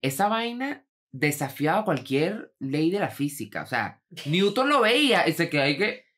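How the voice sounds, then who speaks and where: A man's voice: fairly high pitch, big pitch swings, moderate pace, a bit bright. A man, co-hosting a podcast in a casual chat, cracking teasing jokes. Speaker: podcast co-host.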